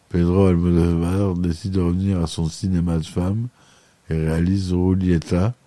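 Low, dark-voiced man reading. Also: no echo. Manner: reads aloud with frequent stumbles and self-corrections. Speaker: podcast host. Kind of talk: read film chronicle.

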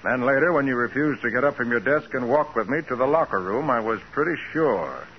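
An actor playing a cool, tough private detective, wry and composed, in a 1940s radio crime drama. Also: male voice, mid-range voice, lively intonation, a little fast, lightly acted. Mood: cool, defiant. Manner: wry, composed, matter-of-fact. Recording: muffled, hissy 1940s radio recording.

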